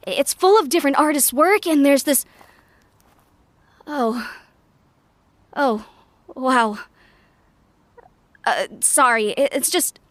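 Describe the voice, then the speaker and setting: A thoughtful young woman recording a guide to her emptied-out community for a sci-fi audio drama. Her voice sits on the high side, in a dry, close space. She talks conversationally and reflectively, with hesitant little asides. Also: no echo. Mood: fond, casual, then stunned, hesitant. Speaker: narrator character. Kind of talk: audio drama monologue as a recorded walking tour.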